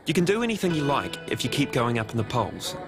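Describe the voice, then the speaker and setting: A man's voice: mid-range voice, very animated, fast, music in the background. A man giving emphatic political advice with repetitive phrasing. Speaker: political commentator.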